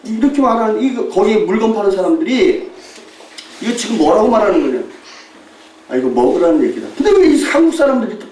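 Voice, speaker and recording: A Korean pastor preaching a sermon with a mission report, telling stories with lively mimicry and frequent laughter. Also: male voice, sits high, fast, a little hiss or hum. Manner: animated storytelling, mimics shouting tourists, laughs often. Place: church sanctuary. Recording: echoey church hall, distant mic.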